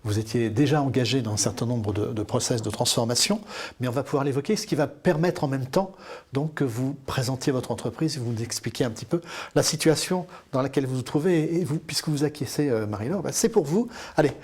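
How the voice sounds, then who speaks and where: A man's voice: medium pitch, brisk, a little mellow, breathy edge. A man moderating a live panel discussion, introducing the guests in a friendly, chatty way with frequent hesitations.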